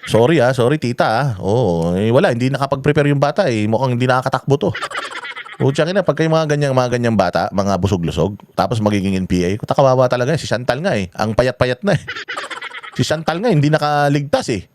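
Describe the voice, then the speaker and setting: A man's voice: mid-range voice, animated, fast, a little mellow, a little hiss or hum. A man from the Philippines giving casual political commentary in a mocking tone, swearing often and firing off rhetorical questions. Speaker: commentary vlogger.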